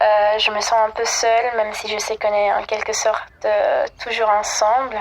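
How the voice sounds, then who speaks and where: With an Italian accent, a woman with a fairly high pitch speaks at a moderate pace in a monotone, flat intonation over noticeable background noise. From Italy. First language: Italian (speaking French). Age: 20s. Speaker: listener leaving a voicemail. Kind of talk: voice memo testimony.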